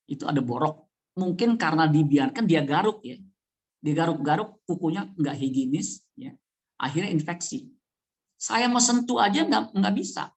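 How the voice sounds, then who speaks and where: Animated pastor. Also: male voice. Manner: animated, with wide swings of pitch and loudness; conversational, addressing the congregation directly. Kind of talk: sermon. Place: church.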